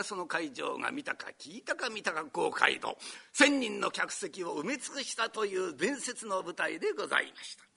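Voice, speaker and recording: An older man from Japan giving a formal, theatrical storytelling performance in a hall, breaking into shouted character voices. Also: high voice, creaky, background noise. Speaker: rakugo storyteller.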